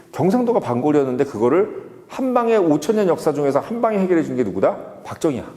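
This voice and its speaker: A man's voice: on the high side, mellow. Emphatic man lecturing in a reverberant room. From Seoul. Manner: emphatic, lecturing with rhetorical questions. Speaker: political commentator. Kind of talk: opinion monologue.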